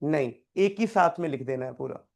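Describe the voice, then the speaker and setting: A man's voice: on the high side, lively intonation, a little fast, gravelly, a little mellow. A man teaching a chemistry class, quizzing students by name and repeating key terms. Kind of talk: live classroom tutoring.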